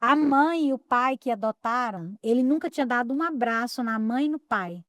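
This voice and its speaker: Woman pastor, podcast chat, higher-pitched, dry close sound. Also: lively intonation, normal speed, dry recording. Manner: warm affirming interjections, reflective storytelling. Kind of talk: casual chat.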